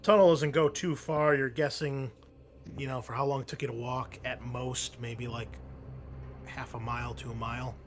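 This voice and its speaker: A man's voice: mid-range voice, fairly even intonation, moderate pace, noisy background. A man working as game master, casually narrating and explaining a tabletop game in an informal way.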